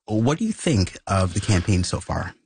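A man's voice: sits low, very animated, normal speed, vocal fry, a little mellow, husky. A man hosting a morning radio show, asking questions with many fillers. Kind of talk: radio interview and links. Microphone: studio microphone.

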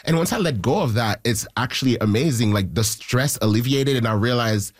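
A man from Haiti, a musician guest, telling stories in an excitable, animated way and jumping into high quoted voices. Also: brisk, no echo, clean studio sound. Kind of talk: casual interview storytelling.

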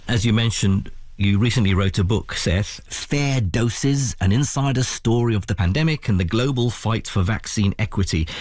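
Male radio host, low voice, courteous and measured, dry studio sound. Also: a little mellow, dry recording. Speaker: radio interviewer. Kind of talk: radio interview.

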